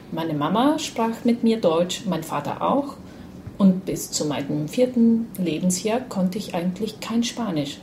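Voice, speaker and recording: A woman from Uruguay telling her own story off the cuff, hesitant, with many pauses and filler sounds. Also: lowish voice, noisy background. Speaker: interviewee. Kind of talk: unscripted personal account.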